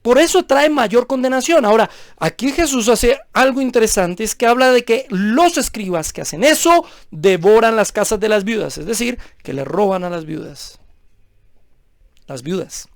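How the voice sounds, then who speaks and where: A man's voice: sits high, animated, moderate pace, creaky, no echo. Man, pastor, sermon, emphatic, rhetorical questions, dry recording.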